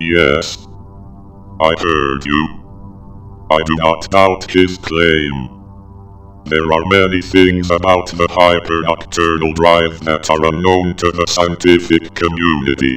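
With clear music in the background, a man speaks at a fairly slow pace in a very deep, low pitch. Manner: formal, lecturing, detached.

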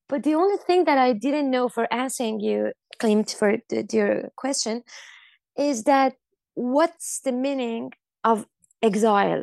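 In a Persian accent, a woman talks at a high pitch and a fairly slow pace with ordinary pitch variation and long, frequent pauses, her voice dry and close with no echo against a quiet background. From Iran. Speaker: actress. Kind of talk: interview.

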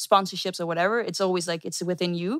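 On a very clean, dry, close recording with a silent background and no echo, a woman with a Dutch accent and a fairly low pitch talks at a fairly quick pace. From Netherlands. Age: 30s. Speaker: professional skateboarder. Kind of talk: casual chat.

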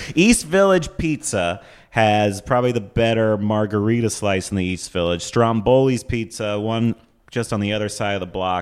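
A man with an American accent uses a normal speaking voice at fairly low pitch, with ordinary pitch variation and a moderate pace. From Florida. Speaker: comedian and former pizza restaurant owner. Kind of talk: casual chat.

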